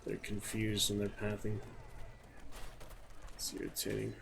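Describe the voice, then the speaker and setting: A man giving casual, low-key gameplay commentary, musing to himself over game sounds. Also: completely flat delivery, unhurried. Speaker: gamer commentating own gameplay. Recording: clear game noise behind voice. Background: video game sounds.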